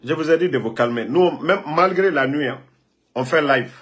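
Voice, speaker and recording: A man's voice: on the high side, moderate pace, fairly bright tone. A man from Guinea, ranting and scolding a rival on a live phone video, repeating himself. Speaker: political online commentator.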